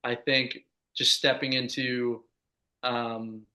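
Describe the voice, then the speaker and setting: A man's voice: mid-range voice, level tone, takes it slowly, pushed and bright. A man in his twenties, a podcast guest, answering earnestly in a casual way with many "like" and "just" fillers. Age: 20s.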